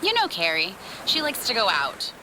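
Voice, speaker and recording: An actress playing an upbeat, devout, homey young wife in an audio fiction podcast. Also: female voice, mid-range voice, huge pitch swings, normal speed, bright, forceful tone, a little hiss or hum, exaggerated voice, rough recording. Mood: cheerful.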